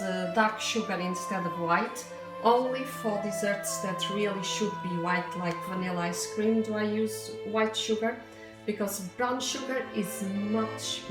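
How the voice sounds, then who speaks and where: A woman from Portugal with a Portuguese accent, chatting casually through a home cooking demonstration, rambling into asides with frequent hesitations. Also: mid-range voice. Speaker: home cook. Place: home kitchen. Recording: echoey kitchen with music behind.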